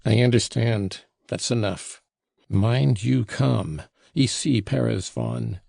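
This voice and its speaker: A man voicing a proud, impulsive schoolboy in an audiobook, with an abrupt, hurried and brusque manner. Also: lowish voice, animated, gravelly, mellow, breathy edge, dry recording, studio quality, heavily acted. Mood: sharp, angry. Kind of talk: audiobook character voice.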